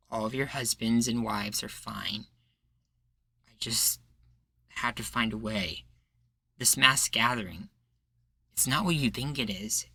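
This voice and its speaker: A man's voice: medium pitch, sharp tone, breathy edge, dry recording, exaggerated voice. A man playing an earnest, persuasive rebel leader in a roleplay, making speeches with a folksy turn of phrase. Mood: urgent, coaxing. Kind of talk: roleplay ASMR acting.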